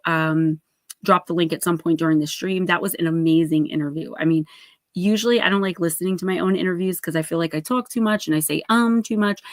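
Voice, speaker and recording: A woman's voice: fairly low pitch, a bit bright, no room sound, studio quality. A woman in her early forties hosting a casual livestream, chatting effusively and greeting viewers with endearments. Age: early 40s. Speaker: livestream host and oracle card reader.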